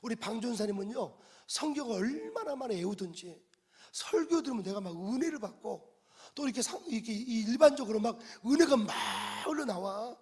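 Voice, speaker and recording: A middle-aged male pastor preaching a sermon, animated, with sudden loud bursts and call-and-response with the congregation. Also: very high-pitched, a little fast, breathy edge.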